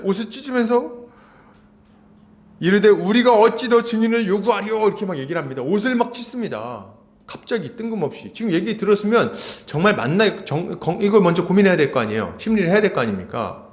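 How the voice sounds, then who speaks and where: A man preaching a Sunday sermon, animated, asking the congregation rhetorical questions and acting out quotes with sudden shouts. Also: high-pitched. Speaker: pastor.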